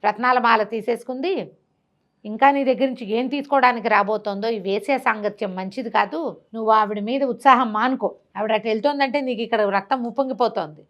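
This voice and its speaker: A woman's voice: on the high side, fairly quick, muffled recording, lightly acted. A woman storyteller voicing a suspicious, grumbling man who scolds his friend with indignant questions. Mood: scolding.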